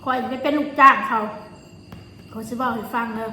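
A woman's voice: sits high, fairly even intonation, fairly quick, pushed and bright. A woman with an Isan, northeastern Thai accent chats casually about her own life, talking while chewing. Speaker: vlogger. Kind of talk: casual chat, recounting personal stories. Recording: roomy echo, faint noise, insects.

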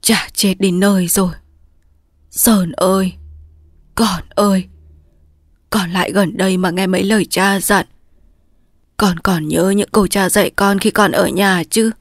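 A woman's voice: mid-range voice, fairly even intonation, measured pace, pauses often, dry recording, clean studio sound. A woman voicing a dying old father who speaks weakly and solemnly, sometimes in a whisper. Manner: weak, strained, sometimes whispered.

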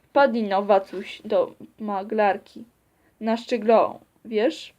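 A woman's voice: medium pitch, steady tone, slow pace, a little mellow, natural voice. A woman reading the part of a sick, weak mother who speaks to her son in tired, broken phrases from her bed. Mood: weary, urgent. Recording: dull lo-fi recording.

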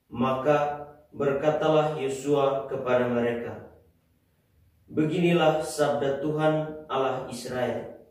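A young man, a lector, reading scripture aloud in a slow, even voice in a small chapel, heard from a distance. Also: mid-range voice. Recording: very echoey chapel from far off.

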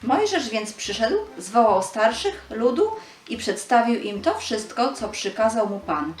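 A woman's voice: a little high, sing-song, measured pace, reverberant. A woman giving a scripted narration of a Bible story for children.

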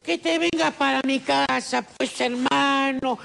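A man's voice: extremely high pitch, steady tone, takes it slowly, creaky, sharp tone. A man making a comic prank phone call, wheedling and scheming, calling everyone brother. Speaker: prank caller.

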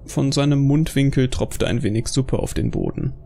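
Gravelly male narrator. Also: mid-range voice, moderate pace, mellow, a little hiss or hum. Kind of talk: scripted audio drama narration.

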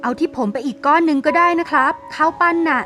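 A woman's voice: sits high, fast talker, pushed and bright, soft background music. A woman voicing a kind, earnest young son of a poor mother in a cartoon story. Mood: helpful. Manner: polite, earnest.

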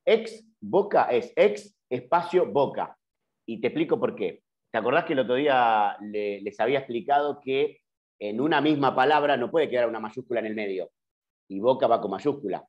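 A man's voice: mid-range voice, fairly quick. A middle-aged man with an Argentine Spanish accent, teaching an online journalism class, explaining patiently with frequent "eh" fillers and self-corrections. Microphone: computer mic on video call. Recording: dull lo-fi video call audio.

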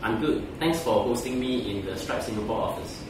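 A man's voice: medium pitch, lively intonation, fairly quick, very echoey, distant mic, noisy background. A man hosting an interview podcast, asking his guest direct questions in a conversational way. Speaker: podcast host. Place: office meeting room.

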